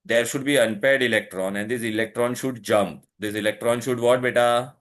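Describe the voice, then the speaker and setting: A man's voice: mid-range voice, fairly even intonation, moderate pace, a bit bright. A man with a South Asian accent teaching a one-on-one lesson, switching between English and Hindi and repeatedly quizzing the student with checking questions. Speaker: chemistry tutor.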